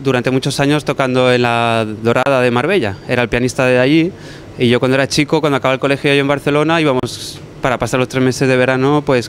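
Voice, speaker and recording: Young male chef, chatty and quick, kitchen interview on a handheld mic, faint noise behind. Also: medium pitch. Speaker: guest chef. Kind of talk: casual interview. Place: restaurant kitchen, indoors. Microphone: handheld reporter mic.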